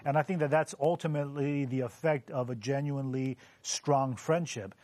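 A man on a Bible discussion panel, speaking thoughtfully and reading scripture aloud at a measured pace. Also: mid-range voice, steady tone, a little mellow, no echo.

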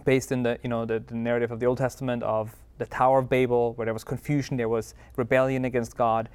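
A man co-hosting a casual Bible study discussion, explaining in a measured way with many fillers. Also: medium pitch, level tone, darkish tone, clear, resonant tone. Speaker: co-host.

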